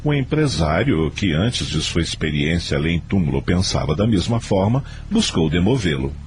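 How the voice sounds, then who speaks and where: A man's voice: sits low, big pitch swings, moderate pace, background noise. A man narrating a radio serial in a dramatic, scripted style.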